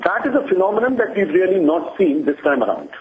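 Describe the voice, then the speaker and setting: A man speaking as a company executive on an earnings call, explaining in a measured, reassuring way. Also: high-pitched, big pitch swings. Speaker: company executive answering analysts. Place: conference call. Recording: roomy, dull conference line with hiss.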